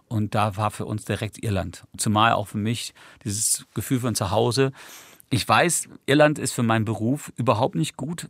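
A man's voice: mid-range voice, vocal fry, dry recording. A man whose first language is English, a musician guest in a radio studio interview, talking reflectively and rambling with many tag questions.

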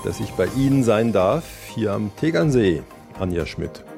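A man's voice: lowish voice, very animated, moderate pace, gravelly, over loud music. A man hosting a radio talk interview on location, asking wry, probing questions. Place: on location by a lake.

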